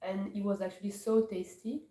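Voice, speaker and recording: A woman from Morocco gives a scripture class, pausing often and searching for her words. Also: mid-range voice, flat delivery, dark tone. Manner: hesitant, searching for words with many pauses. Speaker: class speaker. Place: temple hall. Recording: echoey hall from far off, faint noise.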